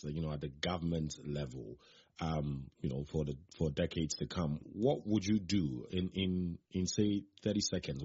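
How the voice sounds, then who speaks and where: A man's voice: sits low, darkish tone, slightly rough. A man from Ghana hosting an interview, asking questions hesitantly with fillers and thanking guests politely. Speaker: radio show host. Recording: slightly muffled broadcast audio.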